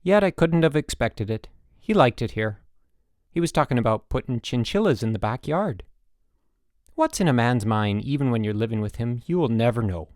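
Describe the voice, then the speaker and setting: A man's voice: medium pitch, animated, moderate pace, darkish tone, no room sound, clean studio sound, lightly acted. Man voicing a chatty, stubborn old country woman. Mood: resigned, stubborn. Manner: folksy, rambling, emphatic storytelling. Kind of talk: audiobook character dialogue.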